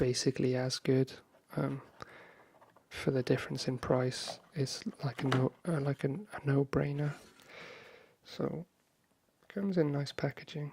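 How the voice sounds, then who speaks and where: Long, frequent pauses break up delivery that runs at a fairly slow pace. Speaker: ASMR creator. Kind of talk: soft-spoken friendly chat, ASMR roleplay.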